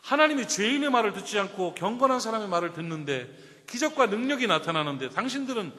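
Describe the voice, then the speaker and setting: Man doing a healed blind beggar, fed up, bright voice, long hall reverb. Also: sits high, sing-song, fast, pitched above the performer's own voice, heavily acted. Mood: insistent. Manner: insistent, retorting questions.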